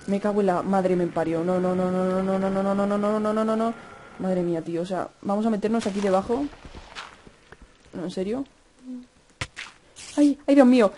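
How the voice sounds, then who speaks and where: A young man with a Spanish accent from Spain chatting fast over Minecraft gameplay, cursing and yelling at the mobs. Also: high voice. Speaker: gaming youtuber.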